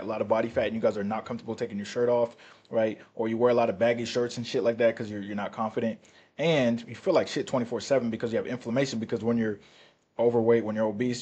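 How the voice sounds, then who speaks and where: Male fitness coach, husky voice, rapid delivery, blunt and swearing, straight-to-camera pep talk. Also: mid-range voice, a little mellow, muffled recording. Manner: blunt, profane, repeats "right?" and "all right?". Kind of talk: casual talking-to-camera coaching. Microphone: turned-up mic, quiet recording.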